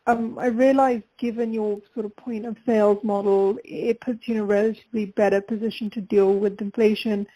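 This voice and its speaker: A woman's voice: mid-range voice, fairly even intonation, fairly quick, hardly any pauses, mellow, poor audio. A woman analyst asking questions on a conference call in a fluent, informal way. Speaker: financial analyst.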